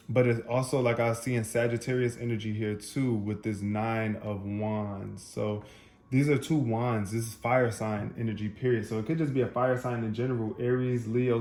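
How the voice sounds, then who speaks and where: A man giving an animated, spontaneous tarot reading, talking straight to his viewers and laughing often. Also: mid-range voice. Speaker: tarot reader.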